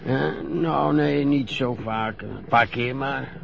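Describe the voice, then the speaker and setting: An actor playing a frail, grumbling old former sailor who talks hesitantly and teases. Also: male voice, medium pitch, takes it slowly. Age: older. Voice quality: gravelly, hesitant, teasing. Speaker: elderly former sailor being bathed. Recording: dull lo-fi radio play recording.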